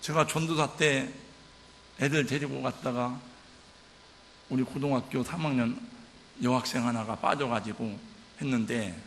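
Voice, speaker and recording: A man's voice: medium pitch, fairly even intonation, measured pace, gravelly, long pauses, a bit bright, slight background noise. An older man, a pastor, preaching a sermon in a church with vivid, emotional storytelling. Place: church sanctuary. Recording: church hall reverb.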